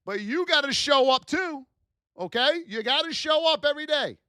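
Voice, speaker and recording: A man coaching a livestream audience with blunt, gruff tough love, in punchy repeated phrases that push and encourage. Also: very high-pitched, lively intonation, normal speed, sharp tone. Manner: punchy repeated phrases, addresses listeners as folks. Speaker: trading coach and livestream host. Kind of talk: livestream coaching pep talk.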